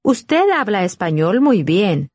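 A woman reading scripted dialogue lines for a language course with clear, careful enunciation. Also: medium pitch, big pitch swings, measured pace, a little mellow, dry recording.

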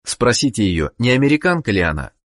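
Lively man narrating a language lesson. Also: mid-range voice, fairly quick. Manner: clear prompting instructions. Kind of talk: scripted instructional narration.

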